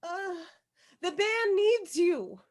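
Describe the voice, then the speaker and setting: Casting: awkward love-struck girl played by a woman, high-pitched, slow delivery, earnest and pleading, film table read. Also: animated, a little mellow, heavily acted. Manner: earnest, imploring.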